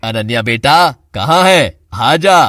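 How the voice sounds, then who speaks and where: A woman lowering her voice to play a kind, caring middle-aged father in an animated story. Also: slow pace, a little hiss or hum, heavily acted. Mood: fatherly. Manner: gentle, fatherly.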